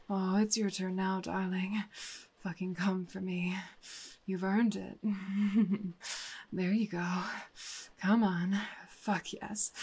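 A woman's voice: medium pitch, husky. A woman playing a sultry, dominant, mysterious woman in an erotic audio roleplay, whispering and moaning breathily. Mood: soothing, whispered.

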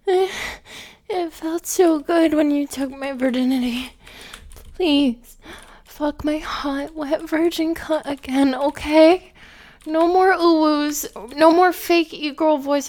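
A bratty young gamer girl with a very high voice, as a woman acts her out. She drawls slowly and lazily, drops gamer slang, and turns breathless in an adult audio roleplay. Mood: pleading, hushed.

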